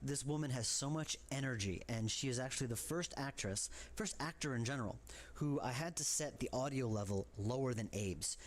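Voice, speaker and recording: A man giving developer commentary on his own game, rambling through anecdotes about casting and recording. He laughs often as he talks, in an easy, mid-pitched voice. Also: brisk.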